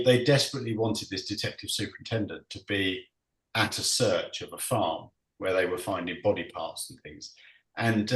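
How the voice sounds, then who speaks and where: This deep-voiced man is running an online panel over a video call, tripping on his words, repeating them often, and breaking into laughter. The recording has a roomy echo.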